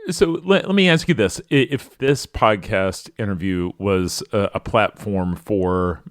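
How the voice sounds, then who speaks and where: Male podcast host, low voice, hesitant when asking, dry close sound. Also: measured pace, no room sound. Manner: brief listening cues, hesitant restarts when asking. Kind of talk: interview questions.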